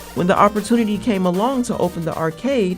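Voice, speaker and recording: Music sounds in the background. Over it, a woman speaks fairly quickly. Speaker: news reporter. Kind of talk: broadcast news reporter delivery.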